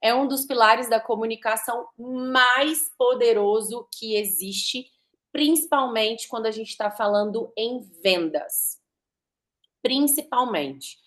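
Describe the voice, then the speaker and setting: A woman's voice: fairly high pitch, slow pace, fairly bright tone. A woman giving a live online talk, conversational, asking her audience rhetorical questions and shifting her pace and emphasis to demonstrate. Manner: varies pace and emphasis to demonstrate vocal technique. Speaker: speaker giving a talk on communication and sales.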